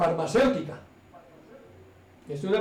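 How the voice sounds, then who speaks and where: A man with a high-pitched voice is heard with audible room echo and noticeable background noise. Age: 70s. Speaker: veterinarian. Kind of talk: interview talk. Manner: hesitant fillers.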